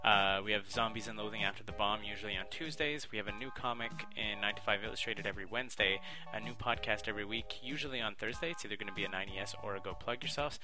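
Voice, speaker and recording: Loud swearing podcast host. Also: male voice, lowish voice, quick pace, few pauses, over music. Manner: swears a lot, laughs while telling stories. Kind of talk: casual storytelling chat.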